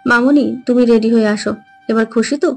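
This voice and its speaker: A woman's voice: a little high, steady tone, brisk, darkish tone, faint music behind. A woman playing a bossy, scolding mother. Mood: coaxing. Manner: scolding, commanding. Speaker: hero's mother. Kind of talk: dramatized audio story.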